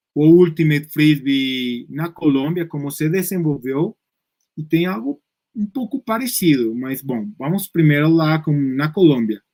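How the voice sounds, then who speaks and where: A man with a fairly high pitch talks at a fairly slow pace with ordinary pitch variation, in a dry, close sound with no echo. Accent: Spanish. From Colombia. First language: Spanish (speaking Portuguese). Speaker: university professor. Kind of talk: lecture. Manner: halting.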